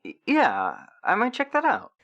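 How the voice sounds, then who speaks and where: An actor playing an awkward, apologetic supernatural teenager on a radio drama phone-in, halting and sheepish. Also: medium pitch, wildly swooping pitch, a bit bright, no room sound. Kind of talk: scripted audio drama phone-in.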